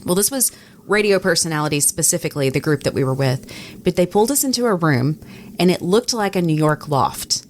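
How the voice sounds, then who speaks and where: An American woman with a fairly low voice tells anecdotes in a casual podcast chat. There is faint noise in the background of the recording. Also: lively intonation, a little fast. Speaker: podcast co-host and radio personality.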